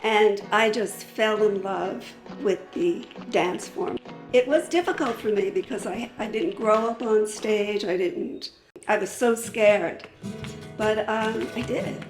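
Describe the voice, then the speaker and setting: A middle-aged woman, a flamenco teacher, speaking reflectively in an interview with pauses and fillers. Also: mid-range voice. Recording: roomy sound, music faintly behind.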